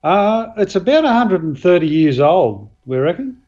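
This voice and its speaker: An Australian man, a guest axe and knife maker, talking casually and modestly with many pauses and fillers. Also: sits high, big pitch swings, darkish tone, highs cut off. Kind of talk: casual podcast chat.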